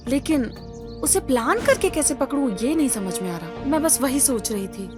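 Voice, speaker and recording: A woman dubbing a young policewoman in a film, lively and teasing. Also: high-pitched, normal speed, over music. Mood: exasperated. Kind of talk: Hindi film dub. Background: film score.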